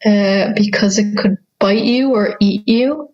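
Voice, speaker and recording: A woman's voice: medium pitch, takes it slowly, a little mellow, muffled recording, natural voice. A young woman playing a self-conscious, teasing schoolgirl Red Riding Hood in an audio drama, with a questioning, conversational manner. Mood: sceptical. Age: young adult.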